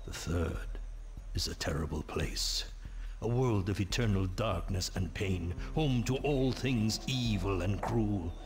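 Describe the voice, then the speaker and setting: An actor playing a solemn tribal storyteller, narrating dark legends for a fantasy game in a grave, portentous, theatrical manner. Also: male voice, on the low side, takes it slowly. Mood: hushed, foreboding. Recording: music behind the voice. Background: prominent music.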